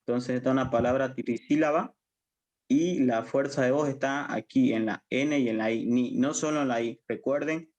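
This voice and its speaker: A man's voice: medium pitch, fairly even intonation, normal speed, a little mellow, lo-fi sound. A man with a Bolivian accent teaching a university language class. He explains patiently, repeats himself and keeps checking that students follow. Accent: Bolivian Spanish. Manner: patient, repetitive, checks understanding often. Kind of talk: online class lecture.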